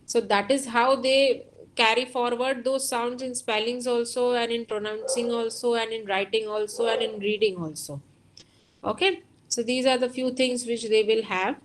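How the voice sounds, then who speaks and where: A woman's voice: on the high side, steady tone, drawn-out words, slight background noise, rough recording. A woman with an Indian accent giving a lecture, explaining step by step and switching between Hindi and English. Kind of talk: online lecture.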